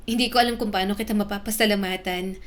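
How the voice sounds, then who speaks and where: A woman's voice: medium pitch, fairly even intonation, fast talker, fairly bright tone, close to an everyday voice. A woman voicing a frightened young mother who scolds through tears and then gives thanks, in a spoken story. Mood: grateful.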